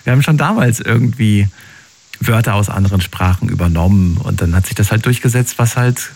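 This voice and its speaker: Rambling low-voiced male interviewer. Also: brisk, darkish tone. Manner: rambling, hesitant questions with many fillers. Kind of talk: casual conversational interview.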